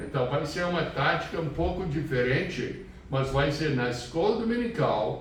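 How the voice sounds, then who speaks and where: Heard through audible room echo and noticeable background noise, a man speaks at a fairly slow pace. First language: English (speaking Portuguese). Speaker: pastor. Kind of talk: sermon. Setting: church.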